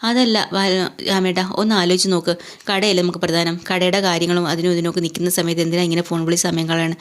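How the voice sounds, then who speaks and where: A woman's voice: fairly low pitch, little pitch movement, quick pace, natural voice. Woman voicing a scolding angry father. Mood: defensive. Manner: scolding, indignant. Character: stern angry middle-aged father.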